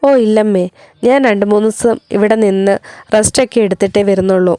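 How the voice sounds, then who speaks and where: An evasive young wife, as a woman reading the story puts her on, defensive and quick to make excuses. Her tone is mellow and soft, recorded dry and close. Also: medium pitch, fairly even intonation, clear, resonant tone, no room sound, natural voice.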